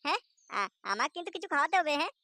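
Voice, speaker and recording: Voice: very high-pitched, very animated, racing, sharp tone, full character voice. An actor voicing a wary but easily tempted young boy, the sidekick in a comedy cartoon. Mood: eager, teasing. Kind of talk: comic cartoon dialogue.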